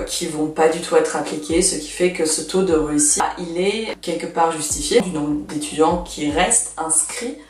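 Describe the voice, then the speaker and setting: A woman's voice: low voice, a little mellow, far from the mic. Young woman. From Russia. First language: Russian. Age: 20s. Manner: chatty, frank, lots of fillers. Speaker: vlogger. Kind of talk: casual advice vlog. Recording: echoey room, voice from off mic.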